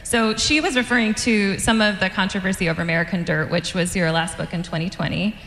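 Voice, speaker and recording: A woman interviewer on stage asking measured, prepared questions, with occasional fillers. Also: mid-range voice, fairly bright tone. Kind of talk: onstage author interview. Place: event stage before an audience. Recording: roomy hall, long reverb.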